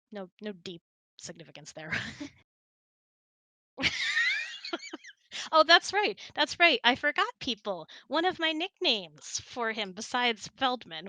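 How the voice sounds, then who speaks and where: A woman's voice: on the high side, pushed and bright, dry recording. A woman hosting, chatting casually and telling personal stories in a conversational way. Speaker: host.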